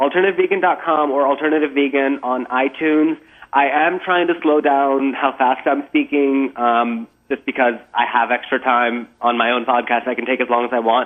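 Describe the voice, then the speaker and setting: A man's fairly high-pitched voice holds a very even loudness throughout. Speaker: cookbook author and podcaster. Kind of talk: interview. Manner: fast; animated.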